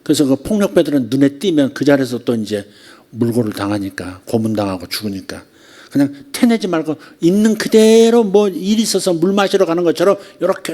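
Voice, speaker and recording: A man's voice: a little high, darkish tone. A man, a pastor, preaching a sermon in a conversational way, asking rhetorical questions and acting out quoted lines. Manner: acts out quoted lines with drawn-out repetitions.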